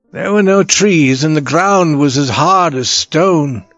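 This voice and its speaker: A man speaks in an American accent with very wide pitch swings. Music plays in the background. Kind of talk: read story for English learners. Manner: slow.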